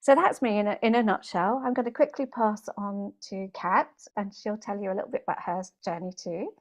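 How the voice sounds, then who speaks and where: A woman with a voice of average pitch hosts an online session. She presents informally, in the style of a trainer guiding a group through a lesson. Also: a little fast. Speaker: host and therapy trainer.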